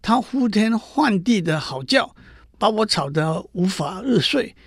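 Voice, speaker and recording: A cunning, resolute king in a fable who plots his revenge in disguise, as a man reads his lines. The voice is high for a man and has a gravelly texture. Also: lively intonation, measured pace, dry recording, clean studio sound, exaggerated voice. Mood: feigning weakness.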